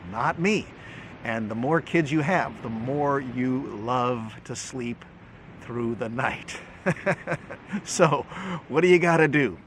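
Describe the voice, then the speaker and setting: A middle-aged man speaks to the camera in a folksy, joking teaching style, chuckling and stumbling over his words as he goes. His voice sits at an ordinary middle pitch. A faint noise runs underneath the recording. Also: takes it slowly, long pauses. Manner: folksy and humorous, with chuckles and repeated restarts. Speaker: Bible teacher and host. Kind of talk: casual teaching talk to camera.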